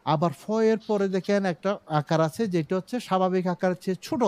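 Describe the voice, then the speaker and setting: Man, middle-aged, Chittagong Bengali accent, online English teacher, patient drilling, a bit high-pitched, dry studio sound. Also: darkish tone, clear, resonant tone, no echo. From Bangladesh. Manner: explains slowly, drills words, asks students to repeat. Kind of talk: online class teaching pronunciation. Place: his own studio.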